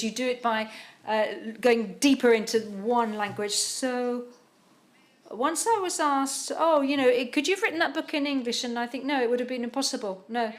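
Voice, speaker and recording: Halting woman interpreting a talk. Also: fairly high pitch. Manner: halting, many pauses and restarts.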